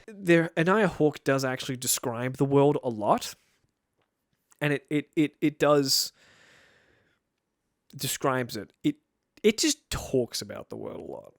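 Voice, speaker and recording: Young man, casual vlog commentator, wry and rambling, mid-pitched and dry-miked. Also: very animated, a little slow, gravelly, pauses often, dry recording. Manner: rambling and wry, with frequent self-interruptions. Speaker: video creator. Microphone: camera-facing mic.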